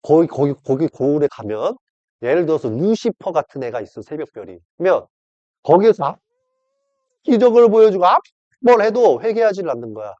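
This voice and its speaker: A man's voice: a little high, very animated, a little fast, a little mellow, no room sound. A man preaching an informal sermon, acting out dialogues and addressing the audience directly. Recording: dull lo-fi dry recording.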